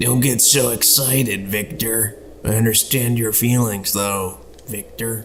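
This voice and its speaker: A man's put-on character voice at a medium pitch, fairly slow in pace, over clear background noise. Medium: actual play. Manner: serious, determined.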